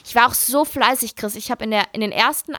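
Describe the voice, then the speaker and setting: A woman's voice: a little high, fast talker, fairly bright tone, no room sound, studio quality. A woman chatting casually and sharing personal anecdotes as a podcast co-host.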